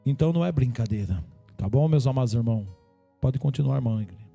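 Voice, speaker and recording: Very dark-voiced gravelly host. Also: male voice, mid-range voice, lively intonation, quick pace, faint music behind. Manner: checks details with questions, preacherly appeals to viewers. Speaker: host of a religious live stream. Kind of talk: live-stream interview and exhortation.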